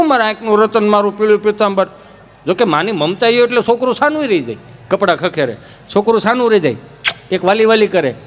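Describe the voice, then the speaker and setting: Folksy comic storyteller. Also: male voice, high voice, big-room sound. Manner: folksy, lively, acts out village characters. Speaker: stand-up comedian. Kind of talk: folk humor storytelling on stage.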